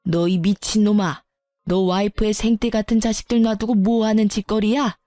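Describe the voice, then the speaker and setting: A woman's voice: mid-range voice, fairly even intonation, moderate pace, no echo, faint music behind, natural voice. A woman voicing a furious older father-in-law. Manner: berating, shouting insults. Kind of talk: dramatized story reading.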